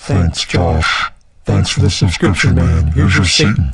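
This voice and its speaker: A man in a put-on character voice, very deep and low, at a moderate pace with ordinary pitch variation and very even loudness. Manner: menacing, theatrical.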